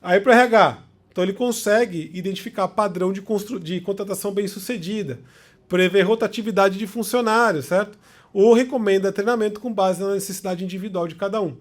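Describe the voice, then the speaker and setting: A man with a high voice and a Brazilian Portuguese accent lectures informally, explaining things conversationally. He frequently checks in with listeners using short tag questions.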